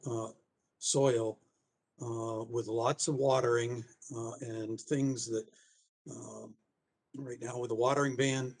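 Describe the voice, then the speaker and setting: A man making an unscripted argument at a public meeting, halting as he thinks aloud. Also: mid-range voice, a little mellow. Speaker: town meeting member.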